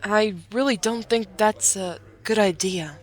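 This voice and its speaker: A woman's voice: mid-range voice, unhurried, lightly acted. An actress playing a sensible, dutiful woman officer in a fan audio drama, speaking with formal, patient restraint. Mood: firm, exasperated. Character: sensible, sober, dutiful female military subordinate.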